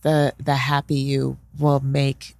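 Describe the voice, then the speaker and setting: Middle-aged woman, bit of gravel in her voice, thoughtful guest talk, dry studio sound. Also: very deep voice, completely flat delivery, takes it slowly, a little mellow, dry recording. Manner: thoughtful, peppers talk with "right?" and "sort of". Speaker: negotiation professor, guest. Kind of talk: reflective interview talk. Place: bright studio with leather armchairs. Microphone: studio mic on boom arm.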